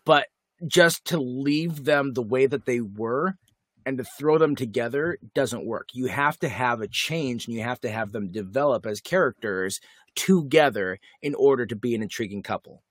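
A man co-hosting a podcast, recapping a TV episode in casual chat, animated and quick with asides. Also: mid-range voice, no echo, studio quality. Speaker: podcast co-host.

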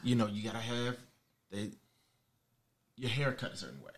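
A man's voice: fairly low pitch, animated, normal speed. An African American man in his thirties chatting casually and candidly in colloquial, freely sweary speech. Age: 30s. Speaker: panel discussion participant. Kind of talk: casual chat.

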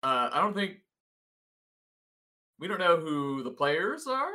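A young man co-hosts a live gaming podcast in a loose, casual chat. His voice is bright and a little high. He is excitable, laughs a lot and swears freely. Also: takes it slowly. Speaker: podcast co-host.

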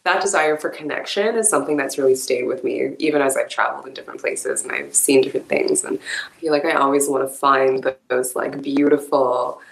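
A woman from Canada, a podcast guest, talking in a reflective, expressive way and laughing often. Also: rumbling low, a little fast, vocal fry, reverberant, poor audio. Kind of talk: casual interview talk.

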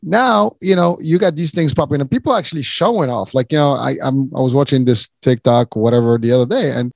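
A Moroccan man hosts a podcast interview in a brisk, gravelly, medium-pitched voice, recorded with studio quality and no room sound. He rambles casually, restarting often, tossing in asides and "you know," and chuckling frequently.

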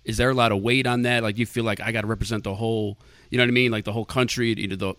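Male podcast host, brisk questions, dry recording. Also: fairly low pitch, fairly even intonation, a bit bright, dry recording. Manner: loose, friendly questioning. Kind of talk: casual interview questions.

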